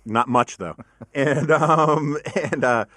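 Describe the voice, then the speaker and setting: A middle-aged man hosting a podcast in casual studio chat, with a deep voice, a giggly laugh and lots of ums and uhs. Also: takes it slowly, fairly bright tone, dry recording. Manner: rambling, self-deprecating, many ums and uhs. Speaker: podcast host.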